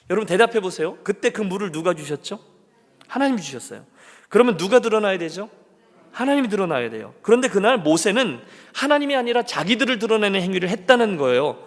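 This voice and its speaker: A male pastor preaching a sermon and asking his congregation questions as he talks. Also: fairly high pitch. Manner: acts out quoted lines of people and God. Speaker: senior pastor. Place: church sanctuary. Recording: long church hall reverb.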